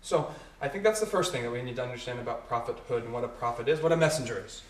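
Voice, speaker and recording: A man who is a native English speaker, explaining ideas through everyday examples and questions in a casual two-person talk. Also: medium pitch. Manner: leads with examples, asks questions, quick and animated. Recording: roomy echo, a bit far from the mic.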